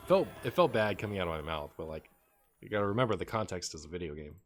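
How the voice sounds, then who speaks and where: Playful male streamer with lively pitch. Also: fast talker, over music. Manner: playful, hammy mock outrage and dry asides. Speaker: game streamer. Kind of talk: casual live game stream commentary. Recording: faint background noise.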